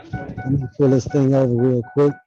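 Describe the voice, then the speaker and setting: A man's voice: medium pitch, level tone, normal speed, dark tone, faint music behind. A male council member speaking over a remote call, his voice muffled as if through a wall, in a formal manner. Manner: formal, speaks in set phrases. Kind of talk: remarks at a council meeting. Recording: muffled lo-fi call with faint noise.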